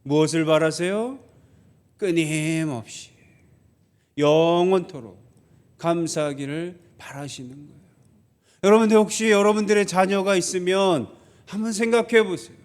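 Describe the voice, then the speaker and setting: A male pastor delivers a sermon in a fairly high voice. He keeps posing rhetorical questions to the congregation. Now and then he slips into the whiny tones of complaining children to make his point. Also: measured pace, pauses often. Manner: acts out quoted grumbling children in a higher voice.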